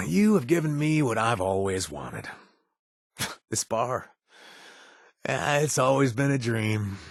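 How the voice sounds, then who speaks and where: An actor playing a remorseful former gang member and recovering addict who now runs a bar, talking casually with wry asides and trailing hesitations, recorded in a dry booth. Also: male voice, medium pitch, dry recording. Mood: grateful. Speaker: companion character. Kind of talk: video game voice acting.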